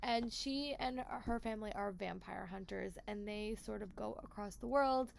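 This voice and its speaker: A woman's voice: mid-range voice, normal speed, vocal fry. A woman book vlogger with a stuffy cold, chatting casually and repeating words with lots of fillers. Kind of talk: casual chat to camera.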